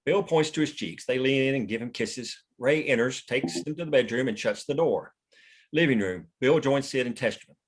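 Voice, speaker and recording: A man's voice: medium pitch, expressive, moderate pace, slightly rough. A man narrating stage directions at a scripted table read.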